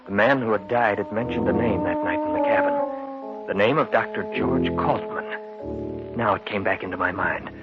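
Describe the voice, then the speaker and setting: An actor narrating and playing a main character in a 1950s radio drama, steady and earnest, on a dull old broadcast recording. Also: male voice, lowish voice, moderate pace, over loud music, lightly acted.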